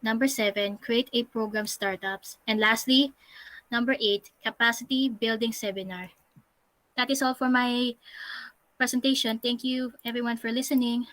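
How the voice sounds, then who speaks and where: A woman's voice: a little high, steady tone, normal speed, fairly bright tone, no echo, low-quality recording. A woman reading out a presentation, going through a numbered list. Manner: reads list items aloud. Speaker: student presenter.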